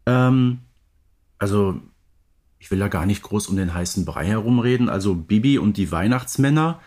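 A man's voice: fairly low pitch, animated, moderate pace, darkish tone. A man, chatting casually as a fan podcast co-host.

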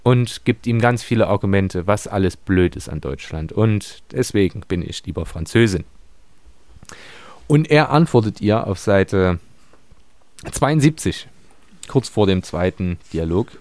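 A man's voice: on the low side, expressive, a little slow, a little mellow, no room sound. A man in a casual book discussion, arguing his view as a podcast panelist.

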